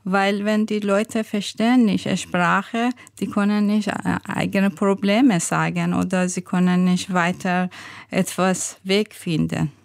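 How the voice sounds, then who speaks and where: A woman from Iran with an Iranian accent, a guest in a radio interview, speaking haltingly with many pauses and fillers. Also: medium pitch, fairly even intonation, vocal fry, no echo, clean studio sound. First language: Farsi and Azeri. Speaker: health navigator guest.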